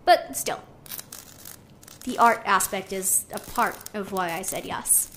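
A woman's voice: mid-range voice, slow pace, fairly bright tone, a little hiss or hum. A woman playing a spirited, idealistic young artist musing conversationally into a recorder in an audio drama. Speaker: actor in a sci-fi audio drama. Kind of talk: audio drama monologue, naturalistic.

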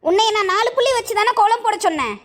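A woman's voice: very high voice, animated, fast. A woman voicing a scolding, fed-up mother-in-law in a cartoon, nagging and wailing at her daughter-in-law. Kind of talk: cartoon voice acting.

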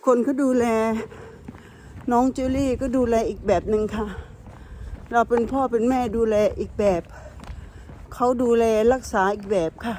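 High-voiced older Thai woman vlogging outdoors. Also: steady tone, unhurried, long pauses, warm tone. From Thailand. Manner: chatty, keeps addressing viewers as friends. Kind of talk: casual vlog chat to viewers. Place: outdoors walking in cold wind. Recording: outdoor street noise.

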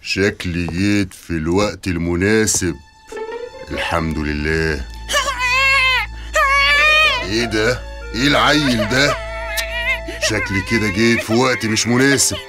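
A woman's voice: extremely low pitch, a little slow, long pauses. A woman voicing a bumbling, cowardly burglar who panics and whines in a comic children's radio play. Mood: nervous. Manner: whiny, panicky. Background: loud background music.

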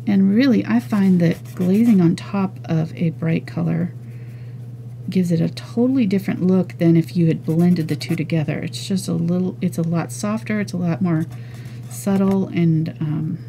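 A woman teaching an acrylic painting lesson, talking casually and thinking aloud as she works, with soft murmured asides. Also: on the low side, moderate pace, vocal fry, a little hiss or hum. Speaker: painting instructor. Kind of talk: relaxed step-by-step art lesson.

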